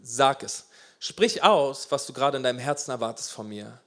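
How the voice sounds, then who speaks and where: A preacher voicing a calm, patient male teacher who gently invites someone to speak. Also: medium pitch, moderate pace, voice pushed down. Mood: gentle.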